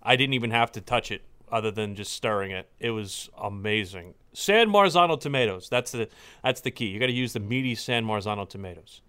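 A man's voice: on the low side, fairly quick, sharp tone, clean tone. A man hosting a casual podcast, talking in long rambling runs with many fillers and restarts. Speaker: podcast host.

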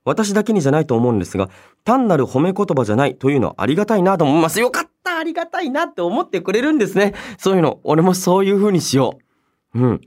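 A man's voice: sits high, sing-song, fast, darkish tone. A man in his thirties hosting a casual radio show, chatting playfully and reading listener mail in a polite but loose way, often chuckling at himself. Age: 30s. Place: radio studio. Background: background music.

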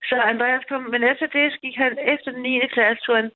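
A woman's voice: on the high side, fairly even intonation. A woman in her fifties calling in, rambling through a personal story and repeating herself a lot. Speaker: caller. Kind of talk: personal storytelling on a call-in show. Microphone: telephone. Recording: tinny phone line.

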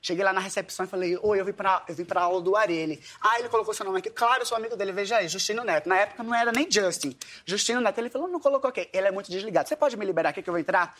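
A man's voice: sits high, racing. A man from Paraíba with a Northeastern Brazilian accent, telling a comic story to an audience and acting out the voices of the people in it. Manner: animated, acts out his own dialogue. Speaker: guest storyteller, dance teacher. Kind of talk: comedic storytelling before an audience.

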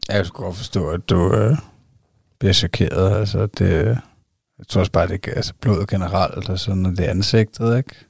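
Low-voiced Danish podcast host asking. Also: male voice, fairly even intonation, vocal fry, darkish tone, husky, dry recording, studio quality. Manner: short prompting questions and backchannels. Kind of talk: casual interview chat.

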